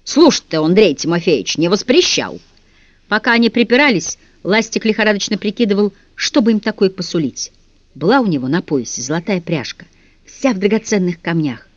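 A man narrating a children's adventure book in a lively, expressive storytelling voice. The recording is dull and dry. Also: high voice, fairly quick, no room sound. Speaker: audiobook narrator.

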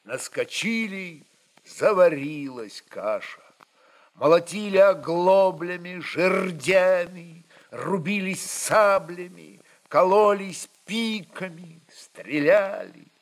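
A man's voice: sits high, expressive, takes it slowly. A man narrating a literary historical story in a dramatic audiobook style.

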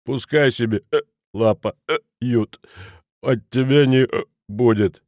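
A man's voice: medium pitch, darkish tone, no echo, studio quality, natural voice. A man voicing a stupefied drunk man who mumbles, slurs and halts. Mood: slurring. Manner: mumbling, slurred, halting.

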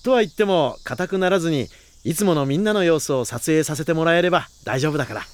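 A man's voice: on the high side, quick pace, close to an everyday voice. An actor playing a polite male reporter who keeps getting baffled and exasperated, in an anime drama CD. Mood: friendly. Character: flustered male reporter, polite, easily rattled.

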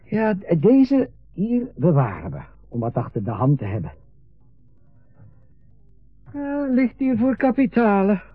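A chatty, eager middle-aged family man in a radio play, proud of his home. His fairly high, husky voice swings widely in pitch, on a muffled recording. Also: huge pitch swings, a little slow, pauses often, no echo, faint music behind, exaggerated voice. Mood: jovial, eager. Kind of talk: naturalistic radio drama acting.

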